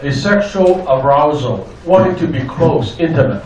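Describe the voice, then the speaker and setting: An older man giving a lecture in short, deliberate, simply worded phrases. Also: on the high side, expressive, a little mellow, lo-fi sound. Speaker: guest lecturer, clinical psychologist. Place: echoey indoor venue. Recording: echoey, distant, noisy room.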